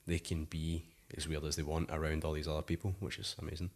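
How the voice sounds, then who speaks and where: Very deep-voiced Scottish man. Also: flat delivery, fast, gravelly, a little mellow. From Scotland. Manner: rambling, many "like" fillers. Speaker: musician guest. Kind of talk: casual interview chat.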